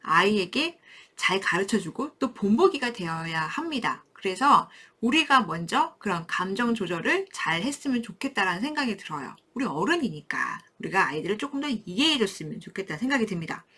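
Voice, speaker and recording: Lively, husky-voiced woman giving parenting advice. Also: medium pitch. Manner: expressive, acts out quoted parents and children. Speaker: parenting educator. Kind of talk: talking-head parenting lecture.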